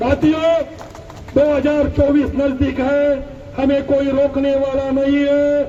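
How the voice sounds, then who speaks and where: A man's extremely high-pitched, monotone, flat delivery at very even loudness, with noticeable background noise and audible room echo. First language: Marathi (speaking Hindi). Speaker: political party speaker. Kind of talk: political rally speech.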